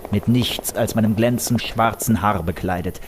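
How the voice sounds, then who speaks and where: A man's voice: lowish voice, moderate pace. A man narrating a comic swashbuckler radio play in the first person, in a pompous, flowery manner. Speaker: narrator and hero of the tale. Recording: clear background noise.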